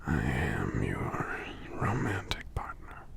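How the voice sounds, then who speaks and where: Casting: male actor for tender, under-the-weather giant boyfriend, ASMR roleplay. Congested, heavily creaky voice, widely swooping intonation, soft and affectionate. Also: a bass voice, huge pitch swings, exaggerated voice. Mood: affectionate, reassuring. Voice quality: congested, stuffy, breathy half-whisper. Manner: soft, unhurried, murmuring hums between phrases. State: congested from a cold. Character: gentle sick male giant, tender romantic partner.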